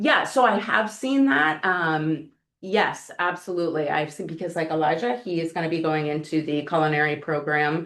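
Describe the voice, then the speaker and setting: Barely pausing, a woman with a fairly low pitch and a plain, everyday voice speaks at a moderate pace with ordinary pitch variation. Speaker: school career program coordinator. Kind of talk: presentation to school board. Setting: school board meeting.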